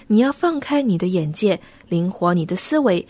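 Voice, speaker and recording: A woman co-hosting a Christian radio talk show, explaining dating myths in a measured way. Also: lowish voice, lively intonation, a little mellow. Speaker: radio host. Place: radio studio.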